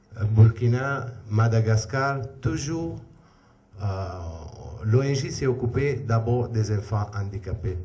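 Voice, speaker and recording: A medium-pitched man with an Italian accent at a very slow pace, with long, frequent pauses, ordinary pitch variation and audible room echo. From Italy. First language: Italian (speaking French). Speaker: charity founder. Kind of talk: press conference. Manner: halting.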